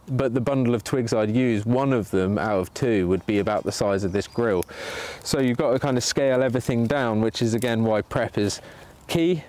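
A man's voice: lowish voice, darkish tone. Chatty man hosting a woodland livestream. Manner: chatty, reads out viewer comments while demonstrating. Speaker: bushcraft livestream host. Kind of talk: casual live commentary while working. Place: sunny woodland outdoors. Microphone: camera pointing down at his hands.

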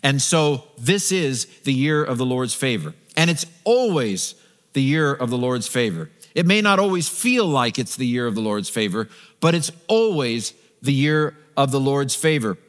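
A man's voice: medium pitch, lively intonation, moderate pace. A middle-aged man preaching a sermon from a church stage, walking and gesturing, talking conversationally with frequent restarts and repeated words. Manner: conversational, walks the stage, gesturing with a Bible in hand. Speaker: pastor. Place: large church stage with a live congregation. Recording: long reverb of a large sanctuary.

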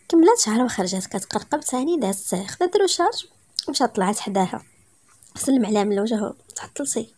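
A woman with a Moroccan accent reading a romance story aloud, briskly voicing each character in turn. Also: a little high, a little mellow, husky.

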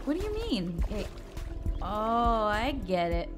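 A woman's voice: medium pitch, very animated, takes it slowly. A woman playing a blunt, sarcastic modern time traveller's companion in an audio drama, slangy and full of quips. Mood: uneasy. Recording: music behind the voice.

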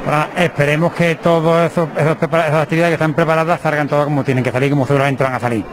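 A middle-aged man, a local TV reporter asking questions quickly and restarting often, holding a handheld mic inside a chapel. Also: fairly high pitch, steady tone. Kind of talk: interview questions. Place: inside a small chapel by the altar.

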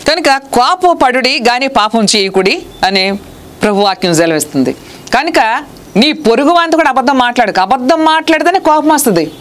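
A woman's voice: sits high, very animated, fairly quick. Earnest woman preacher scolding her flock. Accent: Telugu. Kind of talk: sermon.

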